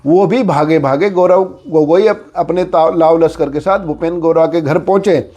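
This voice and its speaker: A man's voice: a little high, moderate pace, dark tone. A man giving informal political news commentary, explaining conversationally with repeated filler phrases.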